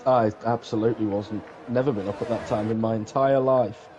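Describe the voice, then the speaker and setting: A man's voice: lowish voice, fairly even intonation, fairly quick, muffled recording. Wry male co-commentator over hiss. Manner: dry, wry humour. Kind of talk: casual sim racing commentary.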